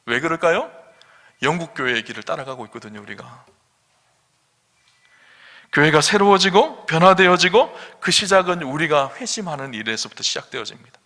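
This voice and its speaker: A man's voice: a little high, sharp tone. A middle-aged male senior pastor preaching a sermon, emphatic and asking the congregation questions. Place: church sanctuary. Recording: long church hall reverb.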